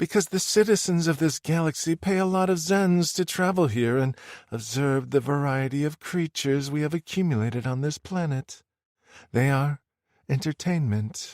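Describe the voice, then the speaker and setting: Using a put-on character voice, a man talks at a moderate pace and fairly high pitch, recorded very cleanly against a silent background. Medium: read story. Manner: smug, self-satisfied.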